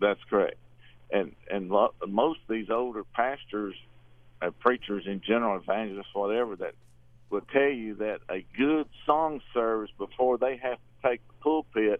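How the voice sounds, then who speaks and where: This is a man with a normal speaking voice at a medium pitch. He talks at a moderate pace with ordinary pitch variation. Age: 60s. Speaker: caller. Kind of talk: casual chat. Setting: phone call.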